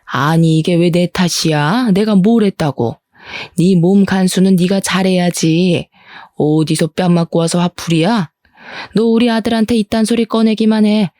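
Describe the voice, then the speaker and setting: A woman's voice: lowish voice, warm tone, no room sound, clean studio sound, lightly acted. A woman voicing a cold, condescending middle-aged mother-in-law who talks down to her daughter-in-law. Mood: scornful. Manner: condescending, slow and cutting.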